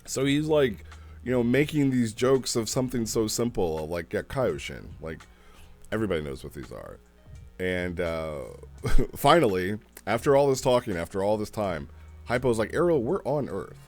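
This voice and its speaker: A man's voice: lowish voice, big pitch swings, moderate pace, a little mellow, soft background music. A man giving a casual, rambling spoken review as a host, conversational and repeating phrases as he explains things. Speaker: host reviewing role-play logs.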